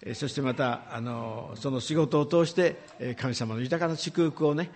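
A man, the church's pastor, making a polite, measured formal introduction with frequent hesitations. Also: medium pitch, darkish tone.

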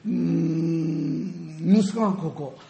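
Older male preacher, high gravelly voice, animated storytelling testimony. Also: very slow. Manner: animated, acts out scenes with sound words.

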